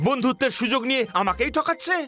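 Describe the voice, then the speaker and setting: A man's voice: very high-pitched, animated, very fast. An actor voicing a naive, kind-hearted man who speaks in sing-song rhymes in a dubbed cartoon. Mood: simple cheerful. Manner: sing-song rhyming, ends rhymes with a call to clap. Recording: cartoon dub over loud music.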